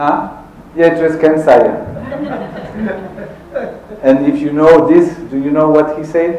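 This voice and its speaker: Over noticeable background noise and audible room echo, a man with a French accent speaks at a very slow pace with a fairly high pitch and fairly even intonation. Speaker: agronomy researcher. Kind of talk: seminar talk. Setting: auditorium with audience. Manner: informal, conversational.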